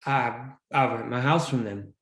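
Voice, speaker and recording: A man's voice: medium pitch, measured pace, fairly bright tone. Man playing a polite young miner, echoey room. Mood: hesitant. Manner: deferential, hesitant. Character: polite, nervous, awkward young male newcomer miner. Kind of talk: table read of a screenplay. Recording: echoey, roomy sound.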